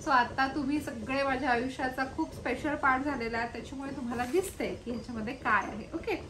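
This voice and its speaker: A Marathi woman vlogger who speaks softly while reading from her diary. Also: high-pitched, fast talker, noisy background. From Maharashtra, India. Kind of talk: casual reading and chat.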